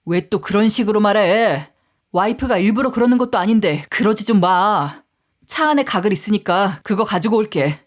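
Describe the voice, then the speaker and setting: A woman's voice: medium pitch, lively intonation, normal speed, natural voice. Woman voicing a mild peacemaking husband. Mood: placating. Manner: soothing, pleading.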